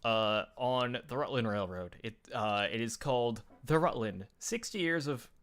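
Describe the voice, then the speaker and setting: A man's voice: mid-range voice, moderate pace, a bit bright, clear, resonant tone. A man co-hosting a casual online show, talking in a rambling way with many fillers and restarts. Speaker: podcast co-host. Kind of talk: casual chat.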